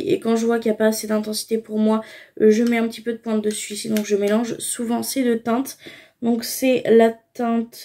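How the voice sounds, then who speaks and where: Higher-voiced woman, mellow chatty tutorial. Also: vocal fry. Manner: chatty, explains each step, many fillers. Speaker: beauty vlogger. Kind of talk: casual makeup tutorial.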